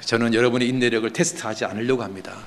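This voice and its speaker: A man's voice: mid-range voice, steady tone, rapid-fire. A male pastor preaching a sermon in a church, telling a story that rises to emphatic, impassioned peaks. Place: church sanctuary.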